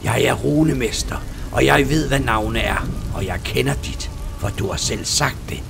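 A man's voice: mid-range voice, gravelly, background noise, pitched above the performer's own voice. A man voicing a small, loyal woman rune master who speaks boldly and solemnly, in a storybook reading. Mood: defiant. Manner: bold, solemn, defiant. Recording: music playing underneath.

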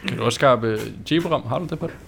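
A man playing a tabletop game who reacts excitably, yelping and pleading in character. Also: mid-range voice, vocal fry, a little hiss or hum. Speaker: player.

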